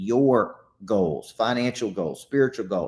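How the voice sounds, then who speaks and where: With a Southern US accent, a man talks in an animated tone at a fairly slow pace and medium pitch, on a very clean recording with a silent background. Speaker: motivational coach and author. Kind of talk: casual monologue to camera. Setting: at his lodge.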